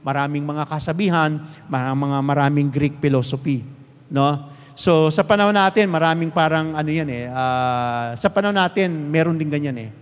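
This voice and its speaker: A middle-aged Filipino man preaching a lively sermon as pastor, often asking the congregation to respond. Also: on the high side, moderate pace, clean tone, long reverb tail. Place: church hall.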